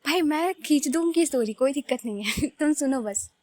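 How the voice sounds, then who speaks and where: A young woman talking in a high, bright voice. She rambles casually and often laughs at herself, like chatting with friends. The recording is dry and close, with no echo. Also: expressive, normal speed. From Uttar Pradesh, India. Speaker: storyteller. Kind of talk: casual storytelling vlog.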